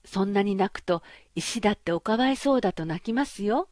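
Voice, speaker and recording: A polite frog from a fairy tale talks in a soft, courteous, quick way, gently coaxing, as a woman reading the story gives him lines. The recording is dry and close. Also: medium pitch, animated, dry recording, lightly acted.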